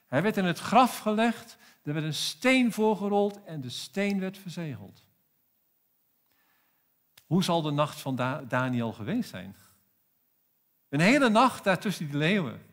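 A pastor with a South African accent preaching a sermon in a church, emphatic and full of rhetorical questions. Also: male voice, a little high, very animated, a little slow, long pauses, fairly bright tone.

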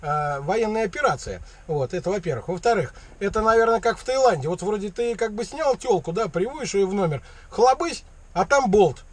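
High-pitched, husky, animated man. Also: fairly quick. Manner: rambling, mock-naive, slangy. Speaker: prankster taking a sales call. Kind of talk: casual colloquial phone chat. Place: inside a parked vehicle cab.

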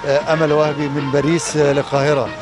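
A man's voice: a little high, flat delivery, racing, over music. A man with an Egyptian Arabic accent, hosting a talk show on location outdoors, upbeat and chatty. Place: outdoors by a fountain in a city square. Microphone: handheld microphone.

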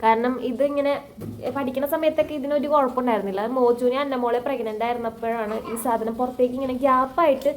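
High-voiced young Keralan woman vlogging at home. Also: steady tone, quick pace, a little hiss or hum. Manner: chatty, sing-song baby talk with her toddler. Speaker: vlogger and mother. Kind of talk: casual home vlog chat. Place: home on a rainy day. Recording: home recording with faint rain ambience.

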